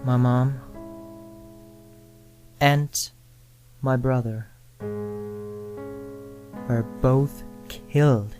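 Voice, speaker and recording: A narrator reading a scripted first-person story in short phrases with frequent pauses. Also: mid-range voice, steady tone, a little mellow. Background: music with guitar and piano.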